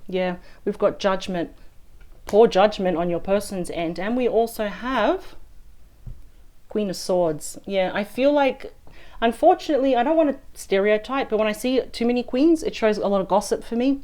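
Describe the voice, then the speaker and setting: A woman reading tarot cards, chatty and thinking aloud. Her voice is husky and a little weak after a sore throat. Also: mid-range voice, moderate pace, dark tone. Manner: chatty and thinking aloud, often adds "right?". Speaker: tarot reader. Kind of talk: weekly tarot card reading.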